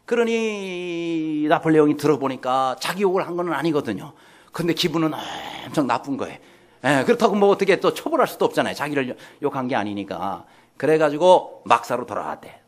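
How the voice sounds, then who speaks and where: A male pastor preaching a sermon in a church, telling stories and speaking directly to his congregation. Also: on the high side. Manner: animated storytelling, addresses the congregation directly. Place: church sanctuary.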